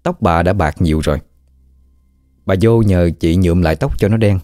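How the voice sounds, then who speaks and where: A man with a Southern Vietnamese accent narrating a ghost story in a measured way. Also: sits low, warm tone, no echo. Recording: dry close mic with faint music.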